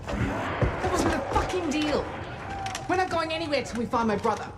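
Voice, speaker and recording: Fierce angry fighter, high voice, loud noise behind. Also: female voice, animated, normal speed. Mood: defiant. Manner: angry, forceful. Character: defiant young woman searching for her brother. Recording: game trailer audio with loud noise.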